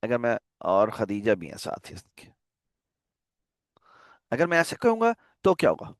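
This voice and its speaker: A man's voice: medium pitch, wildly swooping pitch, a little slow, no echo, clean studio sound. A man teaching a programming class on a video call, talking casually and often asking students whether they follow. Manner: conversational, checks understanding with frequent questions. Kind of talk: casual online lecture.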